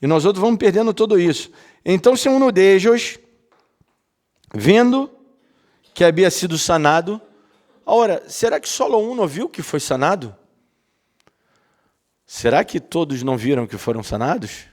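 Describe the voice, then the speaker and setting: A man delivers a sermon, sliding freely into words. His voice sits a touch high. He keeps it conversational, ironic asides and constant questioning tags aimed at the listeners. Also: animated, moderate pace, pauses often, a little mellow. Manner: mixes Portuguese and Spanish, ironic asides, rhetorical "não?" tags. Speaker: preacher.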